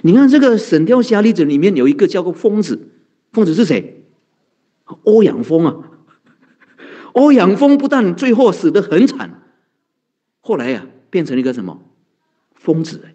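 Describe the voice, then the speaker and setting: A man's voice: high voice, sing-song, normal speed, pauses often, mellow, highs cut off. A man, a Buddhist monk giving a conversational dharma talk, asking rhetorical questions and answering them, chuckling often. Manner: chuckles often, heavy use of sentence-end particles.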